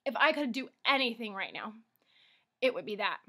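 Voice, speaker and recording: Bright high-voiced woman coach. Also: very animated. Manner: emphatic, exclamatory, pleading with the viewer; quick shifts between loud pep talk and soft confession. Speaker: weight-loss coach. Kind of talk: casual direct-to-camera testimonial.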